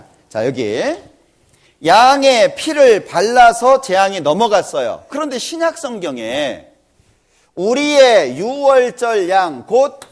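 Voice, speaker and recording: At a very slow pace, a man talks with an extremely high pitch. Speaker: Bible lecturer. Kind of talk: Bible lecture.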